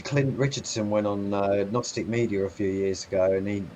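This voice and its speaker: A man hosting a casual chat, agreeing often and swearing easily. His voice is fairly low. A faint hiss of noise sits under the recording. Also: fairly even intonation, moderate pace, darkish tone, lo-fi sound.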